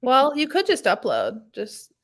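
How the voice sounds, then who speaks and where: A woman's voice: sits high, wildly swooping pitch, a little slow, fairly bright tone. A woman co-hosting a book live show in an informal, casual chatting style with a self-deprecating manner. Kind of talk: casual chat.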